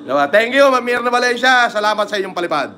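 A man with a Batangas Tagalog accent hosting a livestream, giving shout-outs and reading viewer comments in a crude, teasing manner. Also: sits high, lively intonation, quick pace, a little hiss or hum. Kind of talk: casual livestream chat.

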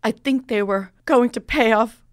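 A woman's voice: a little high, normal speed, no echo, clean studio sound, close to an everyday voice. A woman playing an earnest, gullible, dreamy small-town clerk with an effusive manner in an improvised radio drama. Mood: dismayed. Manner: effusive, gushing.

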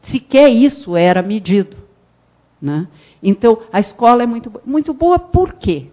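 A middle-aged woman speaks on a panel in a conference hall, holding a handheld mic. Her delivery is animated, with frequent restarts and sudden emphatic rises. She sounds like a seasoned public servant explaining her views. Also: fairly high pitch, normal speed. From Brazil. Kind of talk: academic conference talk.

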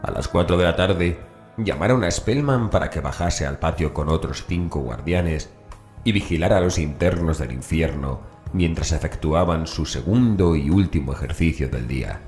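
A man's voice: a bass voice, expressive, moderate pace, darkish tone. A man narrating a scripted horror story as an audiobook narrator, with music behind him. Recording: voice over background music.

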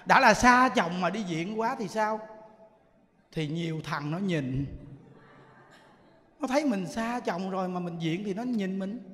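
High-voiced Southern Vietnamese monk preaching. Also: male voice, a little slow, long pauses. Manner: lively storytelling, rhetorical questions to the audience, frequent laughter. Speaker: Buddhist monk teacher. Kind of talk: dharma talk sermon. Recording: long hall reverb.

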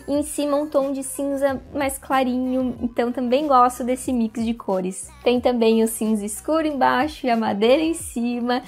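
A young woman hosting an interior design video, talking casually to the camera on a lapel mic in a room, with lots of hand gestures. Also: sits high. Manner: chatty, animated hand gestures, addresses viewers directly. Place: indoor room with curtains and plants.

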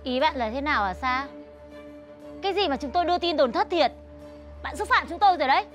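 A nosy middle-aged woman friend in a TV drama. She gossips in a very high, quick voice, chatty and opinionated, with faint music beneath. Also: lively intonation, a bit bright. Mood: offended. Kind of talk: TV drama acting.

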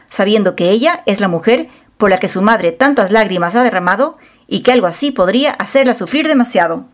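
A woman reading a scripted celebrity gossip news voice-over in a dramatic, storytelling manner on a close mic. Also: on the high side. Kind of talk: scripted narration.

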